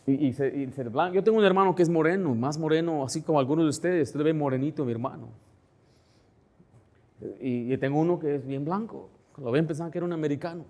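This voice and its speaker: This pastor talks fast in a high-leaning voice as he preaches conversationally, urging the congregation to keep up in the text. When he stresses something, his voice rises in volume.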